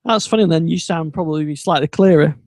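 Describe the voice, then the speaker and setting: A man with a notably high voice, hosting a relaxed tech podcast. He meanders through his points with plenty of ums and false starts. The sound is dry and close-miked. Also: brisk, no room sound. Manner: meandering, many ums and restarts. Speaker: podcast host. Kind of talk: casual tech chat.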